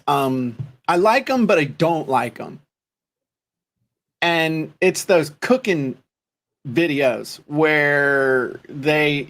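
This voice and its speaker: Man, podcast co-host, slightly high voice, casual rambling jokes. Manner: rambling, joking, many restarts. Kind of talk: casual chat.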